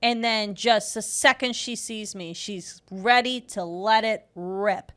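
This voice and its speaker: A woman co-hosting a comedy podcast, teasing her friend playfully with quick laughs. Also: medium pitch, fairly bright tone, clean tone. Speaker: podcast co-host. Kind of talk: casual comedy chat.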